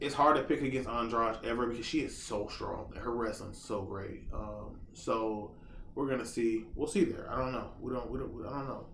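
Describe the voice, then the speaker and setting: A man talks with ordinary pitch variation. Audible room echo and noticeable background noise surround him. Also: medium pitch for a man, moderate pace. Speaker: podcast host. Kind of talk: casual solo commentary. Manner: casual, halting with fillers.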